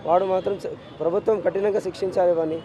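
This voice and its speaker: This rough recording features a middle-aged man whose Telangana Telugu accent colors a high-pitched, dark, steady voice delivered at a fast clip. A bereaved father speaking to street news reporters in the city, he sounds anguished and keeps insisting on his demands.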